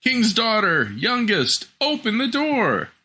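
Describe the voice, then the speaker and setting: A small storybook frog pipes up far above a normal speaking pitch. The creature is insistent and imploring, calling out in a bright, sing-song way. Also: male voice, wildly swooping pitch, slow pace, heavily acted. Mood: insistent, chanting.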